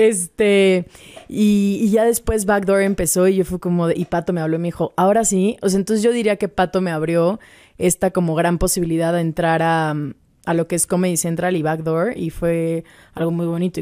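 Over a quiet background, a woman with a fairly low voice speaks at a fairly quick pace with fairly even intonation. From Mexico, Acapulco. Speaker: actress and comedian. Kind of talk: casual chat. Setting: studio. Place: studio. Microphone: studio mic.

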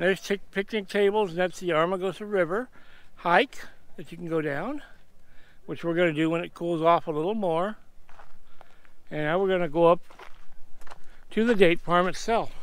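The sound is dry with no echo as a man speaks at a moderate pace in a high pitch, with ordinary pitch variation. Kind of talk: casual vlog commentary. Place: open country. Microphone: phone near.

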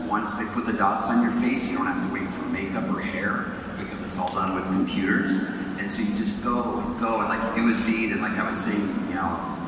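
Speaking at a fairly quick pace, a man is heard with strong room echo and noticeable background noise. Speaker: guest actor on stage. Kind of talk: interview answer. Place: hall.

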